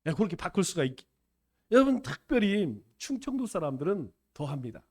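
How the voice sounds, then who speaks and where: A man's voice: high voice, very animated, fairly quick, darkish tone. A male pastor with a Chungcheong accent, preaching a folksy sermon and acting out little dialogues. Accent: Chungcheong Korean. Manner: folksy, playful, acts out dialogues.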